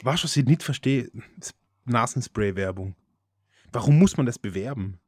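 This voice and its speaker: A young man with an Austrian German accent, co-hosting a casual podcast chat and telling stories with quick laughs. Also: medium pitch, lively intonation, a little mellow, no echo, clean studio sound. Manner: chatty, storytelling, quick laughs. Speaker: podcast co-host.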